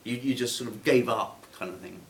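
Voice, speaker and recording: A man's voice: medium pitch, a little fast, slight background noise. A man from England, an English trainer, chatting in a group discussion in a chatty, self-mocking way with a lot of repeated starts.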